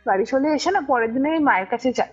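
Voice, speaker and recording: Husky young woman storyteller. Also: high voice, lively intonation, fast talker. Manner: conversational, often checks the listener follows. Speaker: guest recounting a personal ghost experience. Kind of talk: casual spoken storytelling. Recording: muffled lo-fi audio over music. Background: music.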